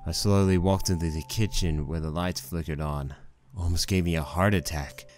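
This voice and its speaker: A man's voice: low-pitched, steady tone, normal speed, darkish tone, faint music behind, lightly acted. A man playing a young married stallion pony husband, rambling wryly and sheepishly through a fan fiction monologue. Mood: wry storytelling. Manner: conversational, rambling, wry.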